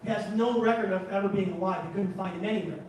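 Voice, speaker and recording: A man with a fairly high voice tells a story to a live audience, chatty and animated and forever backing up to restart. The room is very echoey and he sits well back from the mic. A faint hum of the room runs behind him. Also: fast talker, far from the mic. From Canada. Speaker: photographer giving a talk. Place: large room at a photography guild talk.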